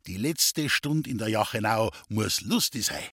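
A man voicing a cheerful young male artilleryman with a Bavarian accent, speaking in a husky, hearty voice. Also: lowish voice, unhurried, dry recording, clean studio sound, exaggerated voice. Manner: hearty, lively dialect speech.

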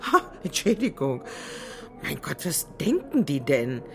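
An actor playing an impatient judge who demands quiet in the courtroom. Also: mid-range voice, very animated, measured pace, vocal fry. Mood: indignant. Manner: indignant, commanding.

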